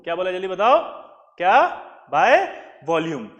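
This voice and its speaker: A man lectures on chemistry in a high voice that rings out in a reverberant room. He keeps stopping to quiz his students and repeat the answers back to them. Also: animated, a little slow, a bit bright, lo-fi sound. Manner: quizzes listeners with repeated questions. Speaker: chemistry teacher. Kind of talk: classroom lecture.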